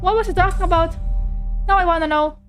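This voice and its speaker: A woman's voice: very high-pitched, quick pace, over loud music. A woman VTuber giving casual, exclamatory reaction commentary with informal swearing, recorded close in a dry room. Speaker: VTuber host.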